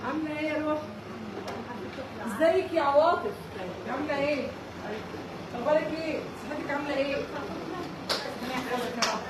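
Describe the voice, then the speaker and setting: A woman's voice: high-pitched, brisk, long pauses, echoey room, distant mic, very noisy. An Egyptian woman vlogging casually, chatting playfully and cooing greetings to her animals outdoors. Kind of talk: casual vlog chat.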